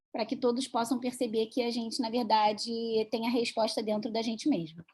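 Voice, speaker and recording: A normal speaking voice comes from a woman who talks at a fairly quick pace with a fairly high pitch and fairly even intonation. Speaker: lawyer and mediator giving a talk. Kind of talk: webinar lecture. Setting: online video call.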